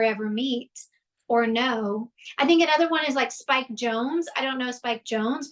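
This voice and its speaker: A voice actress with a Houston accent chatting as a podcast guest, rambling with fillers and restarts. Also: female voice, high-pitched, a bit bright, rough recording. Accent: Houston, Texas. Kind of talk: casual interview chat.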